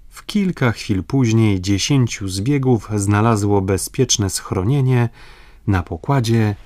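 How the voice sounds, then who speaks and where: A man narrating an adventure novel as an audiobook, in steady, measured storytelling. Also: fairly low pitch, no echo.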